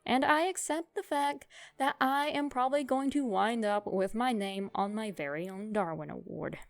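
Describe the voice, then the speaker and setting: A young woman narrating a comic childhood story in a wry, self-mocking, expressive way. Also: on the high side, normal speed, creaky, no echo, soft background music.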